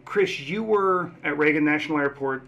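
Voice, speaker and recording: A man's voice: on the high side, moderate pace, vocal fry, fairly bright tone, highs cut off. A middle-aged man hosting an educational question-and-answer session in a conversational style. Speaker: host interviewer. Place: small indoor office set. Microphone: desktop microphone shared at a table.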